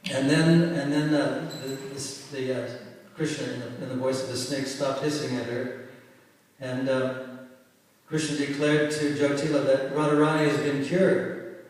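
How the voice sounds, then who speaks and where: A man narrates a scripture story to a temple class at a mid-range pitch, pausing and restarting as he searches for words. He is picked up from a distance in a big hall, so his voice rings with a long, roomy reverb. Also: flat delivery. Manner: halting, searching for words, growing louder in quoted pleas. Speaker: lecturer giving a scripture class. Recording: echoey hall from far off.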